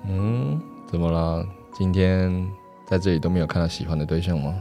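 A man's voice: deep voice, moderate pace, mellow, faint music behind. A man playing a confident, flirtatious gay man in a radio drama, teasing and coaxing suggestively. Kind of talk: improvised-feel romantic radio drama acting.

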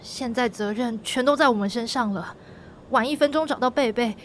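A woman's voice: a little high, a little fast, slight background noise, lightly acted. An actress playing an earnest, hot-blooded young rookie policewoman in a Taiwanese-accented audio drama. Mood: earnest, worried. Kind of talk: Mandarin audio drama acting.

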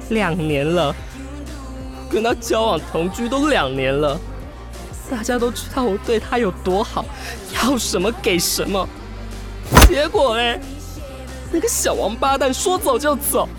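A man's voice: high-pitched, a little slow, long pauses, music in the background. A volatile jilted gay man, Taiwanese accent. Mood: outraged, bitter. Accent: Taiwanese Mandarin. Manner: expressive, swearing, muttering to himself. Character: jilted gay man, sarcastic, indignant, hot-tempered lover. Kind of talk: modern radio drama acting.

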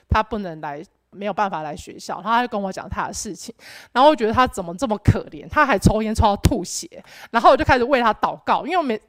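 A woman's voice: medium pitch, fairly bright tone, no echo. A young woman gives an earnest personal testimony at church, rambling with restarts and fillers. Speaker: church member giving testimony.

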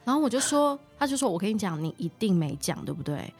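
A woman's voice: medium pitch, fast talker, music in the background. A woman in her thirties with a Taiwanese Mandarin accent, a mother who is a podcast guest, telling stories and acting out the relatives she quotes. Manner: animated storyteller, acts out quoted relatives. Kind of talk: casual storytelling chat.

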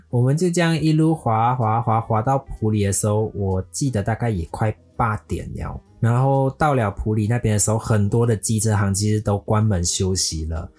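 Husky man telling a story. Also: on the low side. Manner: lively, mixes English words into speech. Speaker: storyteller recounting a motorbike trip. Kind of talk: scripted personal storytelling. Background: faint guitar music.

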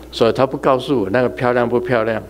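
A man with a mid-range voice, a religious teacher, tells his sermon through humorous ghost anecdotes in a chatty way, laughing and imitating sounds. There's slight background noise.

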